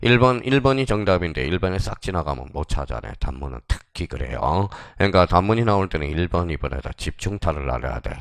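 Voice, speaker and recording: A man lecturing on exam technique in a classroom, quizzing students with quick questions and answering them himself. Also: sits low, expressive, gravelly, no room sound, clean studio sound.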